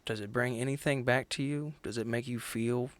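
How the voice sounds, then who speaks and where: A man voicing a laid-back, wry old man in a tabletop roleplay, talking casually and haltingly in a hushed way. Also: mid-range voice, steady tone, dry recording, natural voice. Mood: wry, guarded.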